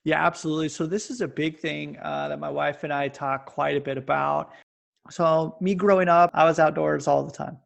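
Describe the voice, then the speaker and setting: Gravelly american guy in his 40s, kinda high voice, rambles n restarts a lot while telling stories. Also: moderate pace. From United States. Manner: rambling, animated storyteller with many restarts. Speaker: guest, fitness coach. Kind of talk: casual interview chat. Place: lives in Japan.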